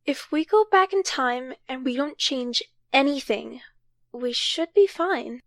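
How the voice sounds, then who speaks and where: A woman's voice: sits high, lively intonation, takes it slowly, no room sound, full character voice. A woman playing an earnest, cautious young time traveler who takes charge and explains things carefully in an audio drama. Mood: explaining, thoughtful.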